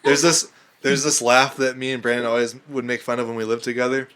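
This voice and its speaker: A man's voice: medium pitch, level tone, a little fast, fairly bright tone, smooth. A man in a casual podcast chat, joking and swearing. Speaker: podcast co-host.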